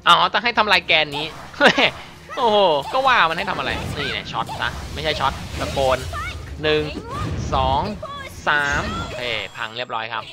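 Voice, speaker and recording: A man's voice: fairly high pitch, very animated, a little fast, over music. A man giving casual, chatty commentary while playing a mobile game, muttering to himself as he goes. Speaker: mobile game channel host.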